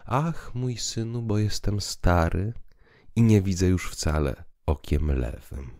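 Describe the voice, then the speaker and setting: A man's voice: low voice, expressive, takes it slowly, a little mellow, dry recording, clean studio sound. A man voicing a tearful, sceptical old dervish in an audio drama, lamenting with emphasis. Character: weeping old sceptical dervish, male, pious then blasphemous. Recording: piano music underneath.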